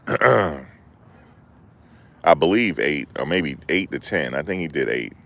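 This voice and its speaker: A man with a rumbling low, somewhat creaky voice that is a bit bright speaks slowly with lively intonation while hosting a livestream. He chats loosely with viewers, joking, rambling, and talking back to chat.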